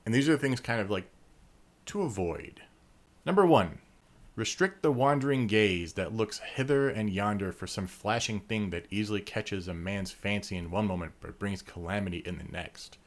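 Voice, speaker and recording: A man's voice: lowish voice, normal speed. A man co-hosting a podcast, teasing in casual chat and reading long lore passages aloud. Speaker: podcast co-host.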